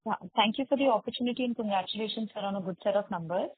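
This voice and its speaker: A woman analyst on an earnings call, asking brisk, polite questions. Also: medium pitch, slightly rough, no echo. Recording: dry tinny phone line.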